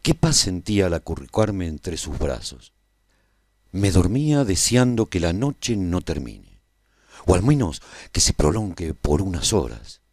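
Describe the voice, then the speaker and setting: An actor playing a tender, reflective survivor who narrates a post-apocalyptic radio serial in a measured, solemn way. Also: male voice, low voice, big pitch swings, a little mellow, breathy edge, no echo, clean studio sound, heavily acted. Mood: tender, nostalgic. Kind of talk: scripted first-person narration for a radio serial.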